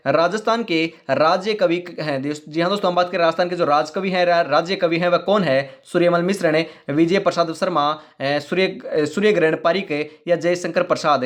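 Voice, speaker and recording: Fast-talking high-voiced quiz teacher. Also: male voice. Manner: rapid, repetitive quiz drilling with motivational asides. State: throat strained from talking fast. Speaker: exam-prep teacher. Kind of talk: fast quiz-style online class.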